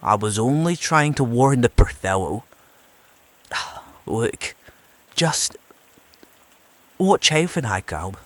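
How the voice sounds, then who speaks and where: A man's voice: medium pitch, very animated, takes it slowly, pauses often, a bit bright, no room sound. A man playing an indignant, paranoid asylum patient, blunt and cursing, in an audio drama. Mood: urgent warning. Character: agitated, foul-mouthed, paranoid male asylum patient.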